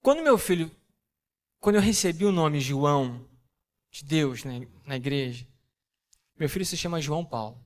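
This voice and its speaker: A man giving a sermon testimony to a church audience, telling a family story in an animated way and acting out the dialogue. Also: on the high side, moderate pace, pauses often.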